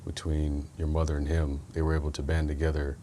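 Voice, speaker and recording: Super deep monotone guy hosting a sit-down chat, steady and affirming, faint noise. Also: fairly quick. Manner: affirming, steady, socially pointed. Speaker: podcast host. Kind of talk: conversational interview.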